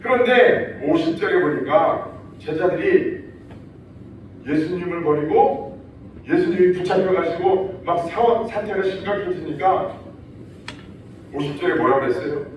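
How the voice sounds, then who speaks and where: A pastor delivering a lively sermon, telling the story vividly and often asking the congregation questions. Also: male voice, high-pitched, unhurried, pauses often, a little hiss or hum. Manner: lively storytelling, acts out quoted lines, asks the congregation. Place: church sanctuary. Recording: echoey hall, distant dull mic.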